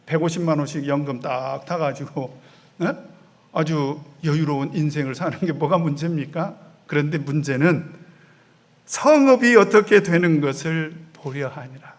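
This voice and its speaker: A man preaching a sermon, acting out quoted voices and swinging between loud outbursts and soft asides. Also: on the high side. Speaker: pastor.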